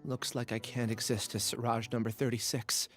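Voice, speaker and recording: An actor playing a gentle, remorseful young man in a video game, soft-spoken and earnest. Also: medium pitch, level tone, normal speed, soft background music, natural voice. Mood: regretful.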